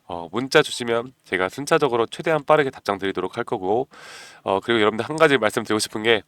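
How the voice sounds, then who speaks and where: A man hosting a stock market channel, talking persuasively to viewers and often clearing his throat because of a cold. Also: medium pitch, lively intonation, fast, fairly bright tone, no echo, clean studio sound. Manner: persuasive, keeps asking viewers "you know?". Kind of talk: stock analysis talk to viewers.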